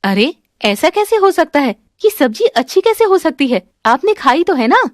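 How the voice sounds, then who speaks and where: A woman's voice: high-pitched, sing-song, normal speed, dry recording, clean studio sound. A woman voicing a jealous, scheming young daughter-in-law who answers back shrilly and defensively. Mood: protesting.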